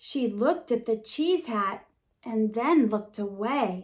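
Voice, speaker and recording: A woman's put-on character voice, sing-song and fairly high-pitched, at a fairly slow pace. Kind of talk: bedtime story. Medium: read story. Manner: sing-song, rhythmic, expressive.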